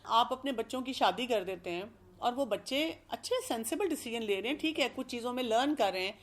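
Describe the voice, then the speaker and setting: A woman speaking as an expert guest, explaining calmly and working through everyday examples. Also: fairly high pitch. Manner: calm, explanatory, gives examples. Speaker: expert guest giving parenting advice. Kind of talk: advice talk.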